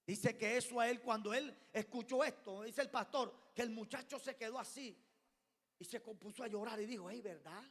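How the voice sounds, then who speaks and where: A man preaches fervently, shifting from quiet storytelling to shouted appeals to the congregation. His voice is very high and bright, and cutting. A long church reverb trails his words. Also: steady tone, normal speed. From Colombia. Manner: storytelling sermon, rising to shouted exhortation. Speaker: pastor. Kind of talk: sermon. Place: church hall.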